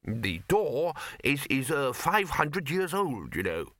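A man acts out an anxious, obsequious college official in a comic fantasy storybook. He is careful and placating, with hesitant stammers under forced politeness. His voice is bright, dry and close, moving a lot in pitch. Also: very animated, a little slow, no echo. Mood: strained calm. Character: nervous, placating, deferential male university bursar at a wizards' college.

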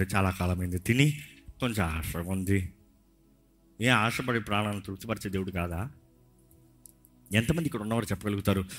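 A man's voice: fairly high pitch, a bit bright. A man preaching a sermon as pastor, passionate and mixing in English phrases.

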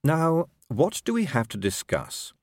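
A man voicing an unruffled, quietly ironic city ruler in a story, careful, measured and understated. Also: on the high side, sing-song, dry recording, studio quality, voice pushed up.

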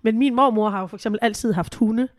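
A woman's voice: fairly high pitch, dry recording, studio quality. A woman co-hosting a podcast in casual chat, giggly and hesitant, her voice changed by a cold, at home in a living room. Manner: giggly, hesitant with many fillers. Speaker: podcast co-host.

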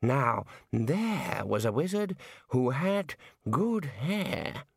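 A man voicing a frail, muddled old wizard with a wheezy, halting, quavering delivery in a fantasy storybook reading. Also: mid-range voice, sing-song, vocal fry, husky, no room sound, studio quality, heavily acted. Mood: muddled, panicky.

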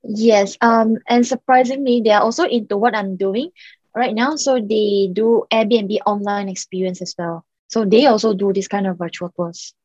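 A woman's voice: medium pitch, fairly even intonation, moderate pace, a little mellow, slightly rough, no echo, highs cut off. A young Singaporean woman, a startup founder, chatting casually as a podcast guest and leaning on "like" and "um". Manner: chatty, many "like" and "um" fillers.

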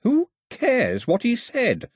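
A man voicing a fierce, bossy young woman who snaps out commands in a raised, sharp voice. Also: mid-range voice, huge pitch swings, normal speed, husky, dry recording, studio quality, pitched above the performer's own voice. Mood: commanding.

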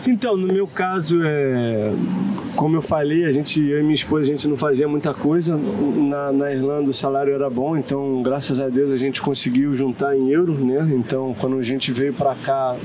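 A man from Rio talks as a guest in a casual outdoor chat. He gropes for his words, with lots of pauses and restarts. Clear outdoor noise sits under his voice. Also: medium pitch, steady tone. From Rio de Janeiro, Brazil. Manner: hesitant, many fillers and restarts. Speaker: interview guest. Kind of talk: casual conversation. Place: outdoors in a city park.

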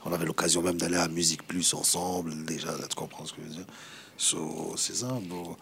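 A man's voice: low voice, little pitch movement, a little fast, vocal fry, fairly bright tone, a little hiss or hum. A man talking as a rapper guest in a casual interview. He is laid-back, keeps asking "you know what I mean" and slips into English.

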